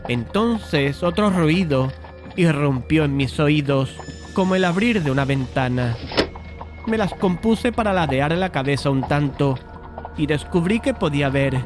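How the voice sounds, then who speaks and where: Brooding painter narrator, music behind. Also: male voice, on the high side. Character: first-person painter narrator of a macabre tale, brooding, male. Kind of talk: dramatized horror audiobook narration.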